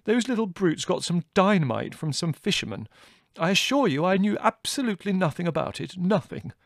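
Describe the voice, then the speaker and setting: Man acting a pompous military colonel, pitched up. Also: moderate pace, creaky, dry recording, studio quality. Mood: mortified, pleading. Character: pompous military colonel, roaring commands, tearfully mortified apologies. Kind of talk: audiobook character voice.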